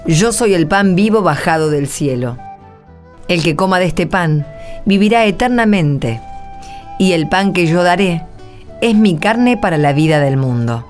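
An Argentine woman with a fairly low voice presents a scripted religious radio programme. Her phrasing is measured and clear, and soft music plays beneath her. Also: lively intonation. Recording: music bed behind the voice.

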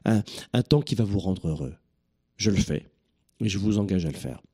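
A man from southern France giving an energetic, joking motivational talk to his listeners. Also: sits low, moderate pace, husky. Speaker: motivational speaker.

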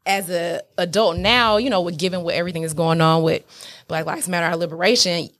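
Her voice is lowish and a bit bright, steady in tone and fairly quick. The woman, a business owner with an African American accent, is interviewed in a candid, casual conversation where she speaks emphatically, swears frequently, and keeps checking in with the listener.

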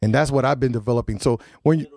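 A man's voice: medium pitch, quick pace, gravelly, darkish tone, no room sound. A radio host with a head cold, sounding nasal, chatting loosely and joking with his studio guests. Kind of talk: casual community radio chat.

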